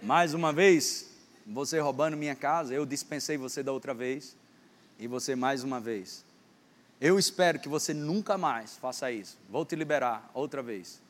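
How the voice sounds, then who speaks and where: A man's voice: medium pitch, normal speed. A man preaching to a congregation, joking and teasing a volunteer as he acts out a lesson on stage. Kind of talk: playful sermon with a stage demonstration. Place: church hall with a congregation. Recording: long hall reverb, faint background noise.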